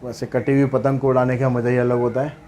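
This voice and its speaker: A man's voice: mid-range voice, little pitch movement, fast talker, warm tone, a little hiss or hum. A man teaching maths, walking through worked problems in a chatty way with asides and jokes. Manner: chatty, mixes English terms into speech, light jokes.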